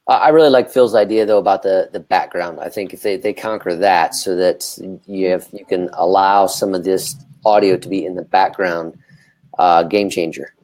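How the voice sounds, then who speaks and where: Low-pitched male co-host, slightly halting. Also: steady tone, darkish tone, rough recording. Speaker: talk show co-host. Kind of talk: casual explanation for the audience.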